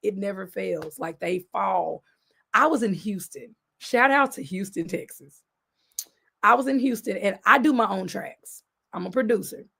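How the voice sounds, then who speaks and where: A woman singer and producer as an interview guest, telling animated stories and laughing often. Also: mid-range voice, unhurried, creaky, slightly rough. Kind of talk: casual interview chat.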